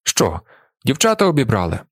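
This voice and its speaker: A man voicing a brash, hulking former soldier who talks loud, bossy and mock-polite. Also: mid-range voice, huge pitch swings, brisk, slightly rough, no echo, clean studio sound. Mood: sympathetic. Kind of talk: audiobook character voice.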